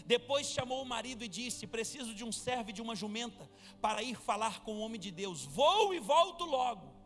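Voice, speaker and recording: A man's voice: very high voice, a little fast, fairly bright tone. A man, a pastor, preaching a fervent live sermon and calling the church to respond. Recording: reverberant church hall with music.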